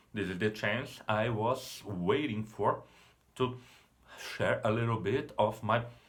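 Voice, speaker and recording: Somewhat breathy, a man with a Portuguese accent speaks at a very slow pace. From Brazil. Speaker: literature teacher, YouTuber. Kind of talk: educational video monologue.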